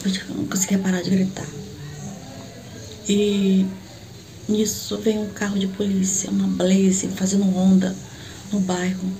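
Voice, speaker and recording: A woman's voice: a little slow, gravelly, pauses often, slight background noise. A middle-aged woman with a Brazilian Portuguese accent, a church prophet giving a personal testimony and acting out the dialogue as she tells it. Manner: animated, acts out the dialogue with sharp jumps in pitch.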